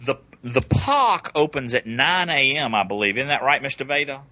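Man in a podcast chat, bright tone, pitch leaping all over, full of crude teasing jokes. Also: lively intonation, moderate pace, no echo. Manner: crude joking banter. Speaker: regular guest.

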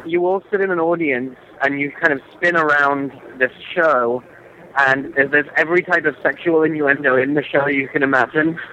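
A man with a British accent calling in to a podcast from a theme park, telling crude stories with a deadpan delivery. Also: a little high, moderate pace, dull audio. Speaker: caller reporting from a theme park. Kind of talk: casual phone chat.

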